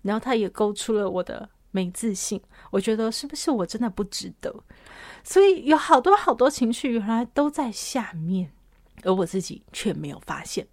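A woman podcast host and counselor, telling a personal story in an animated way, often laughing and moving between soft and loud. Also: medium pitch, normal speed, no echo, studio quality.

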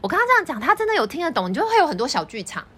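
A woman with a Taiwanese Mandarin accent hosting a casual interview, chatty, inquisitive and expressive. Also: sits high, very fast. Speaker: podcast host and teacher.

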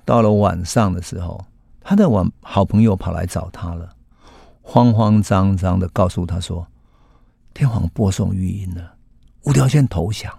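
A man, hosting a historical storytelling podcast in an unhurried, reflective way. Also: low voice, creaky, warm tone, breathy edge, no room sound, studio quality. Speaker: host and storyteller.

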